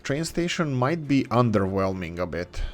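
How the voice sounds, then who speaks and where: Very animated at a moderate pace, a medium-pitched man hosts a gaming video. Not a native English speaker, he narrates his build casually in let's-play style, rambling and correcting himself as he thinks aloud.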